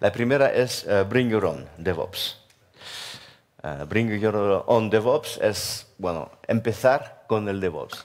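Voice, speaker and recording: Very slow speech from a man with a French accent, fairly low pitch, ordinary pitch variation and a quiet background. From French Basque Country. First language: French (speaking Spanish). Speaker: tech sales manager. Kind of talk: conference talk. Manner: halting, many fillers and repetitions. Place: stage.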